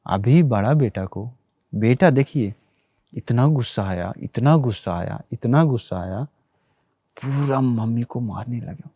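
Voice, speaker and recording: A monk preaching a sermon to listeners, telling a story, repeating phrases and addressing them directly. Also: male voice, medium pitch, dark tone, dry recording.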